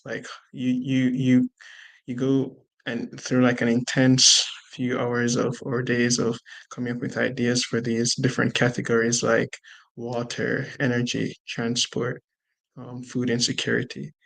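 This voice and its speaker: Gravelly young man, halting casual talk. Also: mid-range voice, monotone, low-quality recording. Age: young adult. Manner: casual, halting, many "like" fillers. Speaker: panelist. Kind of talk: online panel discussion.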